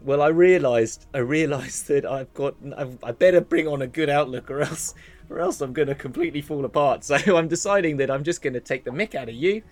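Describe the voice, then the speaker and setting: A man's voice: on the high side, brisk, soft background music. A man narrating as game master, rambling and playful and often laughing.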